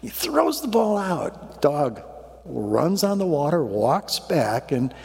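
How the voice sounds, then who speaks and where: A man preaching a sermon, warming up with a folksy made-up story before turning to the gospel lesson. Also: fairly high pitch, very animated, slow pace, gravelly, big-room sound. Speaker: pastor.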